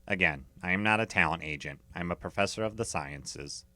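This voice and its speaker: A man's voice: sits low, fairly quick, pushed and bright, dry recording. A man voicing a tiny, put-upon cartoon scientist sidekick who talks with grumbling sarcasm. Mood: exasperated.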